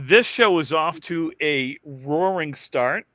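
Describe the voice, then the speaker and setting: A man's voice: on the high side, animated, slow pace, sharp tone, no room sound, clean studio sound. A man hosting a casual bowling podcast, chatting loosely and stumbling over fillers. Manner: rambling, fillers, self-deprecating. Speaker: podcast host.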